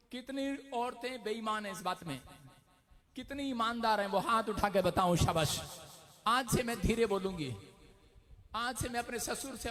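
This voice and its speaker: A man preaching a fervent sermon in church, shifting between loud declarations and quiet storytelling. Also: extremely high pitch. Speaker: pastor.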